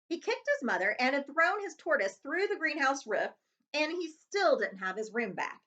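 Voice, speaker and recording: A woman reading a children's chapter book aloud as host, with expressive narration. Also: a little high.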